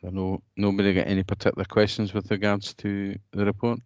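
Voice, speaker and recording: A man's voice: lowish voice, monotone, quick pace, darkish tone, no echo, lo-fi sound. A man chairing an online meeting, hesitant with many fillers and restarts.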